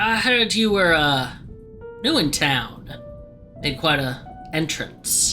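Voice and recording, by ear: At a very slow pace and middle pitch, someone speaks in a put-on character voice with clear music in the background.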